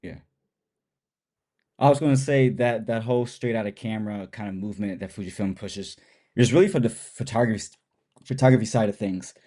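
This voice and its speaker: A man's voice: on the low side, brisk. Man with a stuffy nasal cold voice. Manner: relaxed, rambling with restarts and laughs. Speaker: guest photographer and cinematographer. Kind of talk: casual podcast chat.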